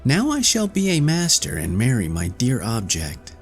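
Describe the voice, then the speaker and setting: Man acting a humble fairy tale tailor, raised pitch, contented, kindly, earnest, faint music. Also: huge pitch swings, normal speed.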